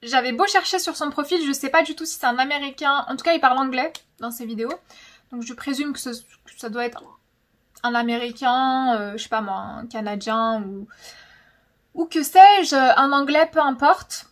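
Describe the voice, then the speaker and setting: This is a young woman hosting a YouTube storytelling vlog, francophone and of Algerian descent. Her high-pitched voice has a fairly bright tone and moves at normal speed. Chatting casually, she's dramatic and emphatic and keeps repeating words for effect.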